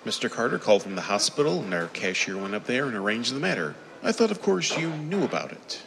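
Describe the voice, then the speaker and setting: A man's voice: medium pitch, very animated, fast, vocal fry, a bit bright. A man playing a courteous, deferential bank teller in a 1930s style radio drama. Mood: polite puzzlement. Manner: polite, deferential. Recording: long reverb, faint background noise.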